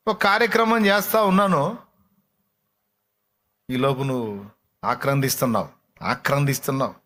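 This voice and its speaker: A gentle, consoling male savior, as a preacher acts him out in his sermon. He speaks tenderly, slowly and pleadingly, drawing the words out. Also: medium pitch.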